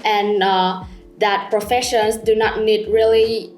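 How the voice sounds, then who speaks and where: Brief: Vietnamese-accented woman, an exam candidate, speaks fast and eagerly, echoey room with faint music under her. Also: medium pitch, little pitch movement, darkish tone. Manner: fast, eager, halting grammar with fillers. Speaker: IELTS test candidate.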